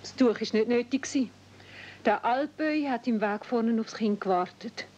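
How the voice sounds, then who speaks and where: A woman's voice: fairly high pitch, moderate pace, darkish tone, a little hiss or hum, lightly acted. An actress playing a matter-of-fact village woman in a radio play, with a Swiss German accent. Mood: impressed. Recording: dull 1970s radio-play recording.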